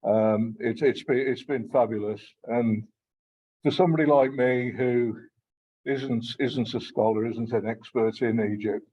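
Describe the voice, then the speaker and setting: Halting Black Country man, lecturing. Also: mid-range voice, fairly even intonation, dark tone, muffled recording. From Black Country, England. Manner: hesitant, many fillers and repeated words. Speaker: guest lecturer. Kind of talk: informal talk to a local society.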